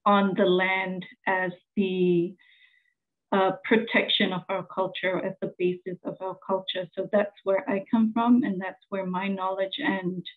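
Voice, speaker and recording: Woman from Samoa, tinny flat delivery. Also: medium pitch. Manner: earnest, halting with many fillers. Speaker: journalist presenter. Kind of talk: conference presentation. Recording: tinny phone-like sound.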